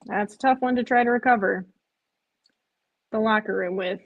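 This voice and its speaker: A woman's voice: medium pitch, normal speed, highs cut off. A woman hosting a live stream, chatting casually with viewers, sounding tired and rambling. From Chicago area. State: drowsy, yawning.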